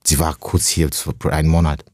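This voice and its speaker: A young adult man from Burundi, a stand-up comedian, talking casually and emotionally as a podcast guest, slangy and full of halting restarts. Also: extremely low pitch, level tone, no room sound, clean studio sound. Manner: slangy, says "bro" often, halting restarts.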